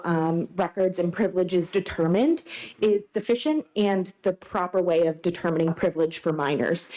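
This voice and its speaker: A woman policy coordinator with a very quiet voice, giving soft-spoken, earnest testimony to a legislative committee in a hearing room. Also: medium pitch, rough recording. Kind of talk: formal testimony.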